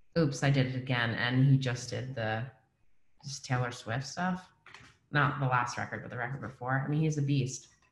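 A woman with a New Jersey accent and a very deep, low pitch speaks at a moderate pace, her somewhat breathy voice showing fairly even intonation and big swings in loudness, with audible room echo. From New Jersey, US. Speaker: songwriter and producer; guest. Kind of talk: casual interview. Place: home room. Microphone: video call.

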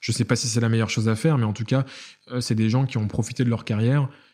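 With a very clean recording and a silent background, a man talks in a flat, monotone way. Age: 20s. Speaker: sprinter, elite athlete. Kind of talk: interview conversation. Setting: coaching studio in Paris.

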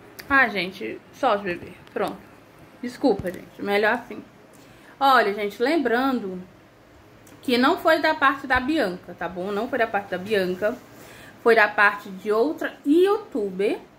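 Over light background noise, a woman speaks at a fairly slow pace with lively intonation and long, frequent pauses. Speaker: vlogger. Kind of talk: casual vlog chat. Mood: serious, somewhat indignant. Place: home room. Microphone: phone near.

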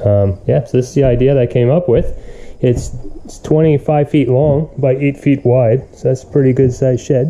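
Light background noise sits under talking at a moderate pace. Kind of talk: casual vlog chat. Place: garden. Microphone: phone near.

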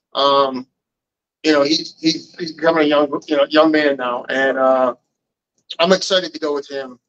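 With long, frequent pauses, a man speaks at a moderate pace in a fairly high pitch and fairly even intonation. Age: 50s. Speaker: martial arts instructor. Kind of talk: interview.

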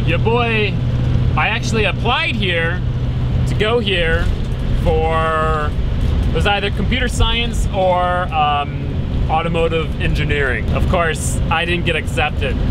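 Against loud background noise, a man speaks at a fairly slow pace with long, frequent pauses, the sound dry with no echo. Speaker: vlogger. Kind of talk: casual vlog chat. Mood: relaxed, slightly wry. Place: bus. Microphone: phone near.

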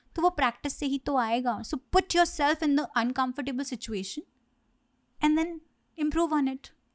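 A woman speaks in a high pitch at a moderate pace, with ordinary pitch variation. The background is quiet. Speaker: IIT graduate career guest; podcast guest. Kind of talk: casual podcast conversation. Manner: confident. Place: studio. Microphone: studio mic.

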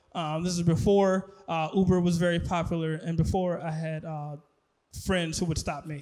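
The man's high pitch carries a dark, mellow tone. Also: moderate pace. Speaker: stand-up comedian. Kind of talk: stand-up comedy set, acting out a drunken citizen's-arrest story. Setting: stage with live audience. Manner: animated, escalating into mock-yelling while acting out the scene; laughs at his own punchlines mid-story. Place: stage. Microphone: handheld.

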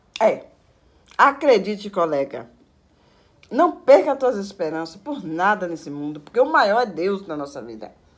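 Animated in tone, a woman speaks at a moderate pace with very wide pitch swings, big swings in loudness, and long, frequent pauses. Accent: Bahian. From Bahia, Brazil. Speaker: mukbang vlogger. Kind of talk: casual vlog talk while cooking and eating. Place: home room. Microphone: phone near.

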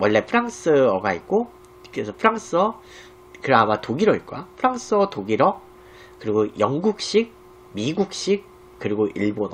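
At a moderate pace, a man talks with very wide pitch swings and long, frequent pauses. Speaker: live streamer. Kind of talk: casual live stream chat. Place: home room. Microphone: earbuds.

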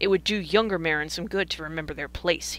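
In a put-on character voice, a man growls at a high pitch and a very fast pace with fairly even intonation over clear background noise. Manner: growling, menacing.

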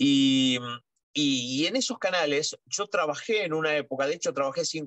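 Speaking with a Rioplatense accent and lively intonation, a man uses a fairly high pitch in a dry recording with no echo and a quiet background. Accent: Argentine Rioplatense Spanish. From Argentina. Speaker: TV producer and journalist; teacher or guest speaker. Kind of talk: interview. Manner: halting, many repetitions. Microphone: video call.

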